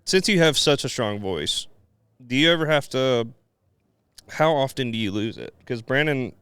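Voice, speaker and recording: A man's voice: medium pitch, expressive, normal speed, a bit bright, clear, resonant tone, no room sound. A man, a band member co-hosting, asking questions in an easygoing, agreeable way. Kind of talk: casual backstage chat.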